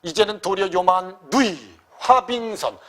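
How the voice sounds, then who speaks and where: A man's voice: high voice, lively intonation, moderate pace, fairly bright tone. A man reading as an accusing stern stepmother. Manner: accusing, scolding. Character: scheming stern stepmother, middle-aged woman.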